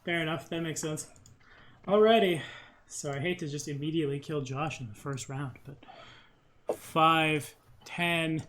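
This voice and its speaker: Male game master, slightly higher register, casual tabletop delivery, mutters rules and counts aloud. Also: a little slow, long pauses, fairly bright tone. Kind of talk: running a tabletop role-playing game.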